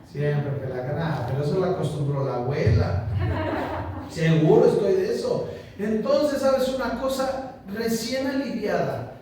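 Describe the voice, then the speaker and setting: A pastor preaching a conversational sermon, asking the congregation questions and joking with them. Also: male voice, high voice, unhurried, dark tone. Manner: chatty, asks the congregation questions, jokes. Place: small church. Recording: echoey church room, distant mic, faint noise.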